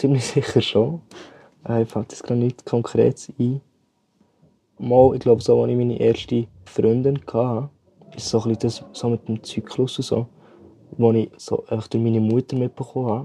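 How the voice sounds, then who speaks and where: At a moderate pace and medium pitch, a man talks in a monotone, flat intonation with long, frequent pauses, the sound dry and close with no echo. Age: young. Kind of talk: interview.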